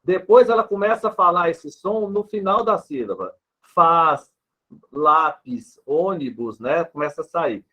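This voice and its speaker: A man's voice: sits high, lively intonation, moderate pace, hardly any pauses, fairly bright tone. A man with a Brazilian Portuguese accent, a speech therapist, patiently explaining with examples and a habit of tagging his sentences with a questioning "né". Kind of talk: explanatory interview answer. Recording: dull lo-fi sound.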